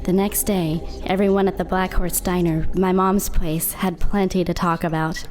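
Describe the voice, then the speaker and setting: A woman voices a young small-town storyteller in a horror audio drama. Her pitch is a little low and her delivery measured, knowing and wry. Soft music runs underneath. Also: little pitch movement, lightly acted. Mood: wry, ominous. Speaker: narrator. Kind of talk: scripted horror drama narration.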